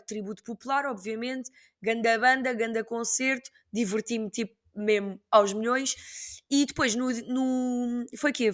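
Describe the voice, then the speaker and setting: A young woman from Portugal, hosting a podcast and chatting casually in a slangy, animated storytelling way. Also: fairly high pitch. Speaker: podcast host. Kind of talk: casual solo podcast chat.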